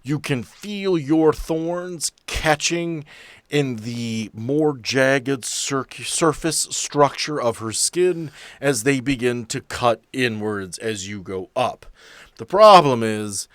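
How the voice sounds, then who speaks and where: A man's voice: mid-range voice, animated, slow, a bit bright, no room sound. A man acting as game master, casually improvising narration and rulings for a tabletop role-playing game. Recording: music playing behind the voice.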